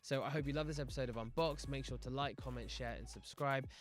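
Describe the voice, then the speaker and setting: A man's voice: mid-range voice, fairly even intonation, fast. Encouraging male podcast host. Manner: encouraging, affirming interjections. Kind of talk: podcast interview and outro.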